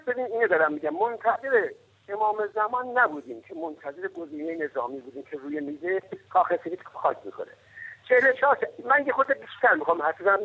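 An Iranian man calls in to a talk show, and his high, animated voice keeps pushing his point. There is a gravelly rasp to it, and the sound is squeezed thin by a phone line. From Iran. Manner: heated, insistent, repeats "look" to press his point. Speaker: caller.

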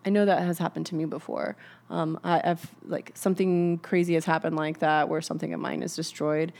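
A young woman talks through her topic like a relaxed podcast host. Her voice sits a little low, and she is candid and chatty. She laughs easily and swears for emphasis. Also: fairly quick, vocal fry. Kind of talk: casual explanatory podcast talk.

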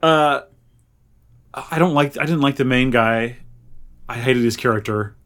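A man with a medium-pitched voice co-hosts a casual podcast. He talks in a loose, rambling way and offers his opinions conversationally, as if catching up with a friend. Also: unhurried, fairly bright tone. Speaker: podcast co-host. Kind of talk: casual chat.

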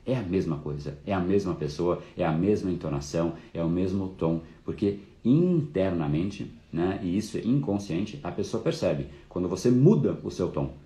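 A man's voice: low voice, lively intonation, normal speed, few pauses, dark tone, reverberant. A man hosting a live course talk, explaining casually and fluently with frequent fillers. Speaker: course host.

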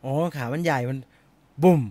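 A man's voice: normal speed, warm tone. Joking man chiming in. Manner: chimes in with short jokes and backchannel. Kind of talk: casual chat, joking interjections.

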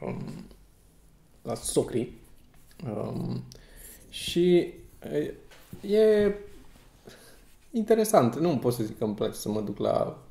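A man's gravelly, mellow voice, chatting casually as a comedian co-host. He tells anecdotes animatedly, his pitch climbing when a story gets going. The room around him is echoey. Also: big pitch swings, pauses often. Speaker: podcast co-host; stand-up comedian. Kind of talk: casual chat.

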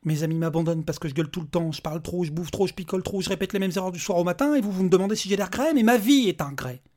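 A volatile, desperate father who keeps exploding into cursing tirades, as a male reader acts him out. His husky voice pushes up high and loud whenever his temper breaks. It is a dark storybook reading. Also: fast talker. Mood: despairing rant. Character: volatile desperate human father, furious then broken.

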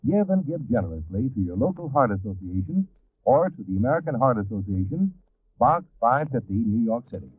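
A man's voice: medium pitch, sing-song, brisk, breathy edge, no room sound. A man delivering scripted announcements in an old-time radio announcer's style. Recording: dry, tinny old radio recording.

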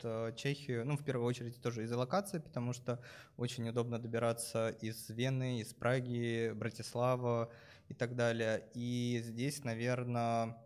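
Flat-voiced man asking questions. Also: mid-range voice. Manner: steady, musing questions with fillers. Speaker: interviewer. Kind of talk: interview questions.

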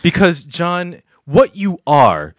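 A male podcast host talks in casual banter, teasing and boasting. His pitch swings widely. The sound is dry and close. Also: sing-song, slow, fairly bright tone, no echo. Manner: teasing and boastful, stammers when worked up.

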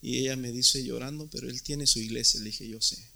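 A man's voice: medium pitch, steady tone, brisk, gravelly, pushed and bright. A man preaching a sermon as pastor, emphatic and often repeating words.

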